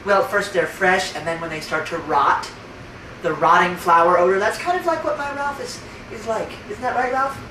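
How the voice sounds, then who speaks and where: Woman doing simple earnest oddball, comedy sketch, halting n repetitive, far from mic, faint hiss. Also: mid-range voice, natural voice. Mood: musing. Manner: halting, repetitive, groping for words. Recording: echoey room, distant mic, faint noise.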